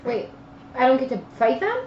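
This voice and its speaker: Blunt, animated woman in an echoey room. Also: sits high, brisk. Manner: blunt, argumentative. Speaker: player on a gaming live stream. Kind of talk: casual chat during a board game. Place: indoor room at a game table. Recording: echoey room, muffled lo-fi, faint noise.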